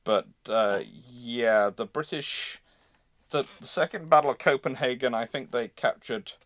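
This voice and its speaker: A man hosting a live history question-and-answer session, talking haltingly and often repeating and rephrasing his words. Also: medium pitch, a bit bright, no room sound. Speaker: host of a naval history livestream.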